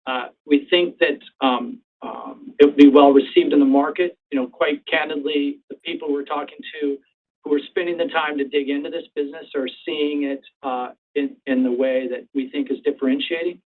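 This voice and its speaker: Guy exec on earnings call, bit high voice, measured, phone sound, kinda far from mic. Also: steady tone. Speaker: company chief executive on an earnings call. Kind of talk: prepared remarks and candid answers to analysts. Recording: distant, tinny phone-line conference call.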